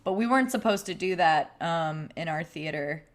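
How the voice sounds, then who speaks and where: A woman's voice: fairly low pitch, expressive, normal speed. A woman talking casually and slangily with friends on a group video call. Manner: chatty, informal, slangy.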